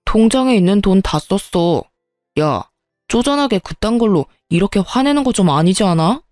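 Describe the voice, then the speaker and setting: A woman's voice: mid-range voice, lively intonation, normal speed, a little mellow, dry recording, studio quality, faint music behind, close to an everyday voice. A woman voicing a smug, dismissive husband. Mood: scornful. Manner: smug and belittling. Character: arrogant, dismissive married man. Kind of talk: storytelling with voiced dialogue.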